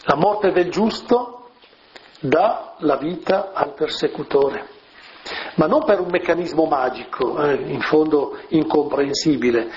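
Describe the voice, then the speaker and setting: A man giving a homily on scripture in a conversational way, with rhetorical asides and soft fillers. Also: on the high side. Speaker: preacher. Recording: muffled lo-fi recording with faint hiss.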